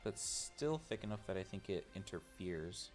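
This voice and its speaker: Over soft background music, a low-voiced man speaks expressively at a normal speed. He's live-streaming a robot build, tinkering as he chats casually, rambles and teases himself for his viewers.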